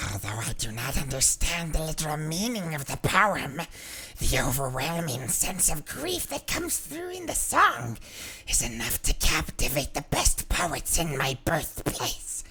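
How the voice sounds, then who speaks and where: A hissing gravelly creature. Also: male voice, fairly high pitch, huge pitch swings, pushed and bright, voice pushed up, exaggerated voice. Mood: creepy. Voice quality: gravelly, raspy, whispery. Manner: slow, drawn-out, breathy hissing. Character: hissing gravelly Gollum-like creature, male, creepy. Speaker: streamer.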